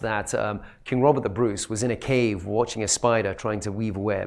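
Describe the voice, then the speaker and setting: In a Scottish accent, a man with a fairly low pitch speaks amid audible room echo. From Scotland, Edinburgh. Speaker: conference speaker, tech consultant. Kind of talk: conference presentation. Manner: hesitant, many fillers.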